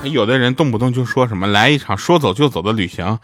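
A young man telling short jokes in a stand-up monologue, deadpan, acting out the people in his stories. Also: medium pitch, quick pace, loud music behind the voice. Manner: deadpan storytelling, acting out the voices in his anecdotes. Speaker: stand-up comedian.

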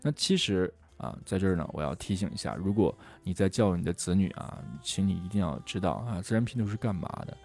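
A middle-aged man teaching how to memorize English words, lively and full of rhetorical questions. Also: sits low, quick pace, creaky, few pauses, faint music behind. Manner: lively, rhetorical questions, often asks "right?". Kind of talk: lecture on memorizing vocabulary.

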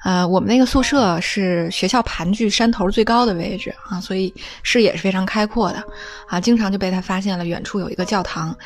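A woman's voice: medium pitch, faint music behind. Chatty woman telling family stories. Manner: chatty and humorous, with frequent drawn-out filler particles. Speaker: storyteller recounting family anecdotes. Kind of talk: casual spoken storytelling.

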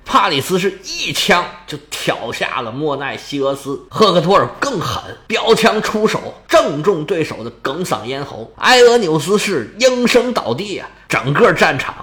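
A man retelling an epic as a lively, colloquial story, dramatic and playful, slipping into character voices. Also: a little high, moderate pace, hardly any pauses.

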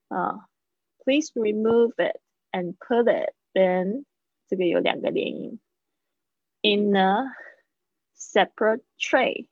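A woman teaching English pronunciation in a live online lesson, switching between quick explanations and slow, drawn-out model phrases, repeating words several times to drill them. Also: mid-range voice, no echo, lo-fi sound. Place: indoors, streaming over video call.

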